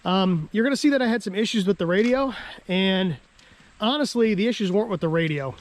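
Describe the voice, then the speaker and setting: An American man, out of breath after a hike, vlogging outdoors in a chatty, self-deprecating way and clearing his throat often. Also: sits high, lively intonation, brisk. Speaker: ham radio vlogger. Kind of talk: casual outdoor vlog. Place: outdoors on a dam in a park.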